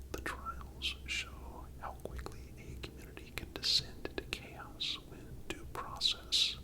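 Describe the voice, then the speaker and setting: An ASMR narrator speaks entirely in a breathy whisper, without voicing. The delivery is calm and measured, reading scripted history narration with deliberate phrasing. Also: extremely high pitch, poor audio. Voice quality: breathy unvoiced whisper throughout. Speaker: narrator and channel host.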